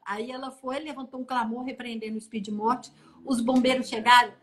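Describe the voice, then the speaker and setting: Middle-aged lady on a phone live stream, kinda high voice, super animated storytelling. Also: a little fast. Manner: animated, acts out dialogue and sounds. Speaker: guest sharing a testimony. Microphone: phone on an online live stream.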